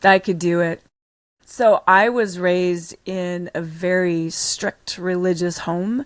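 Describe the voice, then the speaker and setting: A woman speaks in a normal speaking voice, medium in pitch with ordinary pitch variation. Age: 60s. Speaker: leadership coach. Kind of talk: interview.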